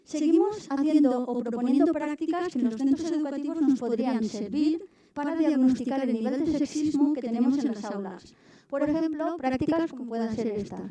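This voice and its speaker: A woman's voice: high-pitched, fairly quick, dark tone. A woman lecturing a summer course class, explaining her points directly to the students and checking that they follow. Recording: voice from far off the mic.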